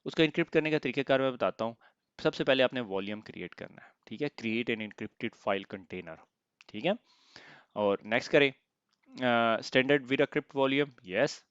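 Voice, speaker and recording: A man teaching an IT lesson step by step, pausing often to check in, his throat slightly sore. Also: mid-range voice, fairly bright tone, clear, resonant tone, dry recording, lo-fi sound. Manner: explains step by step, often asks "theek hai?". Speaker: IT instructor. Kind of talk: screen-recorded software tutorial.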